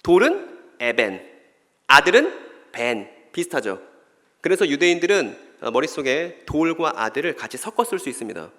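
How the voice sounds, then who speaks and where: Speaking in a slightly high, somewhat bright voice, this Bible lecturer fires questions at his church audience and answers each one himself. He voices short scripture exchanges as little scenes, and the hall lends a long reverb.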